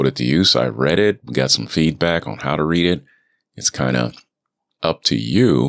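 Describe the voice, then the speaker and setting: A man talks in a relaxed tone. Vocal fry runs through his voice. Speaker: aspiring voice actor podcaster. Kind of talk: casual podcast monologue. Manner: relaxed, conversational with fillers.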